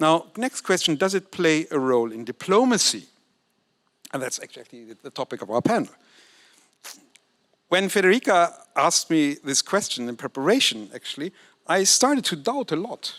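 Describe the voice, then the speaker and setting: A man with a German accent and a high pitch speaks at a moderate pace, with very wide pitch swings, big swings in loudness, and long, frequent pauses, all in a dry, close sound with no echo. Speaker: diplomat. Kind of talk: panel discussion.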